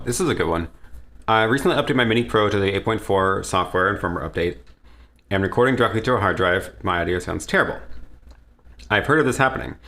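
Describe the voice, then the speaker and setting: A man with a notably low, deep voice hosts a live question-and-answer stream from his home studio. He talks in a relaxed, easygoing way, thinking aloud and often restarting his sentences. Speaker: livestream host answering viewer questions. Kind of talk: casual live Q&A. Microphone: headset or desk mic with headphones.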